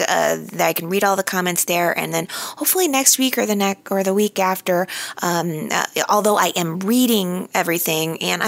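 A woman host recording a casual solo audio update, her voice slightly raspy and a little hoarse while she recovers, talking chattily with many fillers and restarts. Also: on the low side, dry recording. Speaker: podcast host.

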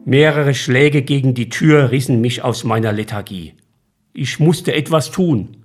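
A man reading his own short story aloud in a calm, measured storytelling manner. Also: mid-range voice, soft background music. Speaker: author and reader.

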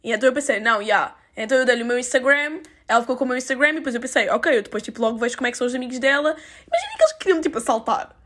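A woman's voice: on the high side, racing, hardly any pauses, a bit bright. A young woman from Portugal with a European Portuguese accent, chatting casually to her viewers in a self-mocking, slang-filled way. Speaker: vlogger. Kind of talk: casual storytelling to camera.

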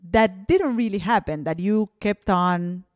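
A woman's voice: medium pitch, unhurried, dry recording. A woman from Argentina hosts a casual interview, thinking aloud in a reflective way and leaning on fillers. The sound is dry and close, with no room around it. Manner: reflective, many fillers like "you know" and "like". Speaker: podcast host. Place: Berlin.

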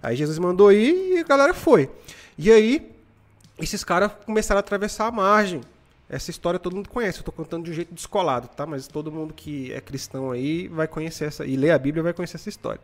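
A Brazilian man in his twenties hosting a live stream, telling stories in casual, slangy, animated motivational chat. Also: fairly high pitch, fast talker. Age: 20s.

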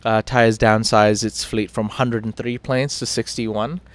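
The British morning TV host runs through the news in a chatty, self-deprecating way, stopping to restart and using fillers. His voice is on the low side, flat in delivery and a little slow.

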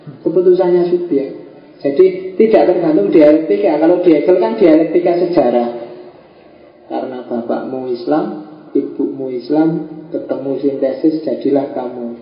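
A man's voice: fairly high pitch, moderate pace. A man giving a philosophy lecture, explaining ideas with rhetorical questions and everyday examples. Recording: very echoey, dull lecture hall.

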